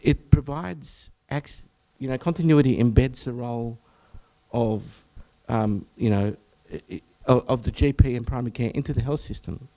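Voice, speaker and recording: A hoarse, croaky Australian man presents to a room of health professionals, his low voice rough with gravel. His tone is mellow and relaxed rather than bright. He keeps clearing his throat and stopping mid-phrase to start again. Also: moderate pace, rough recording. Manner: clears throat often, breaks off and restarts phrases. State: hoarse, croaky from much talking. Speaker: general practitioner presenting at an information session.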